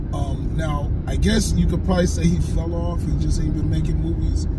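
A man's voice, dry with no echo, with music in the background. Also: moderate pace. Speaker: filmmaker vlogger. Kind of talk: casual vlog chat. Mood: relaxed opinionated musing. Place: car. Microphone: phone near.

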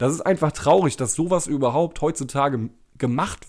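An ordinary speaking voice with ordinary pitch variation, captured in a very clean recording against a silent background. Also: man. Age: 30s. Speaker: YouTuber, gaming channel. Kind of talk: casual monologue to viewers.

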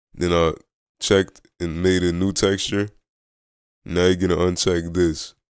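A man speaks with a very deep, low pitch in a monotone, flat intonation, at a fairly slow pace. Long, frequent pauses break up his speech on a very clean recording with a silent background. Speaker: gaming modding tutorial youtuber. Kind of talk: tutorial. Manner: casual, slangy.

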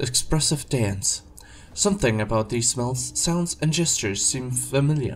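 The reading aloud is plain, but the intonation moves in a lively way.

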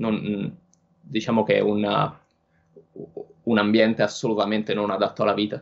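Against a quiet background, a man with a fairly low pitch speaks in a flat monotone at a moderate pace, with long, frequent pauses. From central Italy, Umbria (Nocera Umbra); Umbria, Italy. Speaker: astrophysicist; interviewee. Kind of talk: interview. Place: home room.

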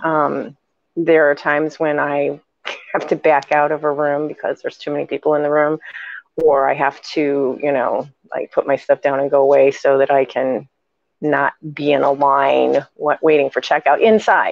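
A woman's very deep, low voice at a moderate pace, flat and monotone, with a dry sound and no echo. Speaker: live stream host. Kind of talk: casual vlog chat. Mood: friendly, grateful. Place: home room. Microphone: lapel.

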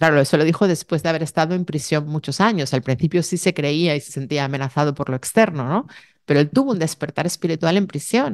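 Against a quiet background, a woman talks at a fairly quick pace in a very deep, low voice with ordinary pitch variation. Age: 40s. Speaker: spiritual teacher. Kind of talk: spiritual talk. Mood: calm, heartfelt. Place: home room. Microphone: studio mic.

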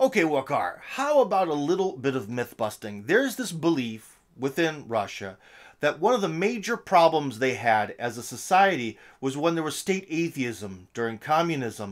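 Against a quiet background, a man with a Cleveland accent and a fairly high pitch speaks at a moderate pace with very wide pitch swings. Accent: Cleveland American. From US Midwest, Cleveland. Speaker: YouTube interviewer. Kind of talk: interview. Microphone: studio mic.

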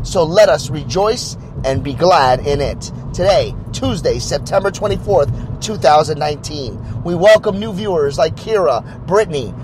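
Lively intonation at a fairly slow pace, with noticeable background noise. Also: man, fairly high pitch for a man. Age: 40s. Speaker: faith podcast host. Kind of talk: inspirational monologue. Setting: live stream broadcast.

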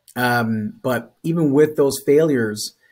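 A man's pitch varies in an ordinary way against a quiet background. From Miami, Cuban-American. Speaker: insurance agency leader; podcast guest. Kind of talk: casual interview. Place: office.

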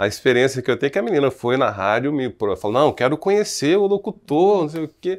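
Over a quiet background, a man with a fairly high pitch talks at a fairly quick pace with hardly any pauses and very wide pitch swings. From Minas Gerais, Brazil. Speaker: radio announcer. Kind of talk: interview.

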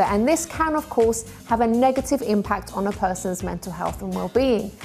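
A woman talks at a moderate pace as faint music plays in the background. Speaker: TV presenter. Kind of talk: presenter monologue to camera. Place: studio.

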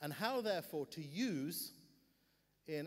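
At a moderate pace, a man talks with a British accent. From United Kingdom. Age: 50s. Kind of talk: sermon. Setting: stage with audience. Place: hall. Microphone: handheld.

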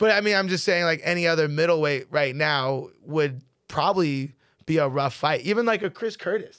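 Over a quiet background, a man with a fairly high pitch talks at a moderate pace with ordinary pitch variation and very even loudness. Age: 30s. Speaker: retired MMA fighter, podcast co-host; podcast co-host. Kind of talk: casual chat. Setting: studio. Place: studio. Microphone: studio mic.

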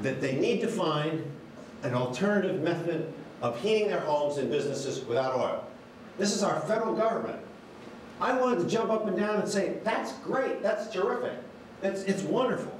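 Over light background noise, a man's voice carries audible room echo. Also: moderate pace. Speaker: guest. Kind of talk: lecture. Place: hall.

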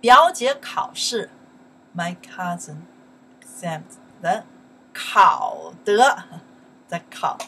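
A woman with a Chinese accent speaks with lively intonation. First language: Mandarin Chinese. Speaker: Chinese language teacher. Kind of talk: language lesson. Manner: halting, repetitive. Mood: cheerful and friendly. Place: home room. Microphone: webcam.

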